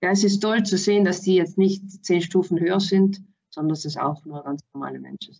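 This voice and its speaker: The speech moves at a fairly quick pace with fairly even intonation. Loudness swings widely. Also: woman, medium pitch for a woman. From South Tyrol, Italy. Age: 30s. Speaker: professional footballer. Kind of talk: interview. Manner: hesitant, many fillers.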